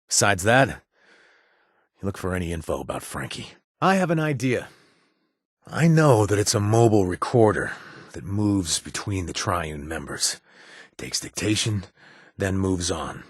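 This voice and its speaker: Game companion: deep, husky ex-raider, gruff but loyal, dry wit, close dry studio sound. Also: male voice, expressive, unhurried, dry recording, exaggerated voice. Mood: earnest. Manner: earnest and blunt, with dry humor. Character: former raider man, gruff but loyal, hunting for his lost brother. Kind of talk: video game voice acting.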